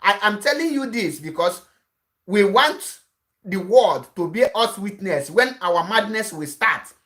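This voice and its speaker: A man's voice: high voice, lively intonation, unhurried, fairly bright tone. A man with a Nigerian accent whose first language is Igbo, giving an impassioned online address as an activist broadcaster, repeating his warnings and restarting his sentences often. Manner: insistent, repetitive warnings, frequent restarts.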